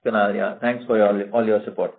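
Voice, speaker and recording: A man's voice: on the low side, level tone. Indian-accented male executive on a phone line. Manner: halting, frequent "you know". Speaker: company executive answering analyst questions. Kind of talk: earnings call answers. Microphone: conference phone call. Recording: narrow tinny phone-line audio.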